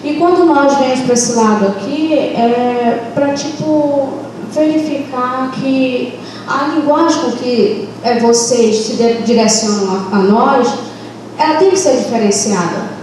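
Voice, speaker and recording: An Indigenous woman from the Brazilian Amazon speaking on a course panel, earnest and halting with fillers. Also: sits high. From Brazilian Amazon, Baré people. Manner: earnest, halting, fillers, speeds up when stirred. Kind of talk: impassioned panel talk. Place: lecture room. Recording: echoey hall from far off, noisy.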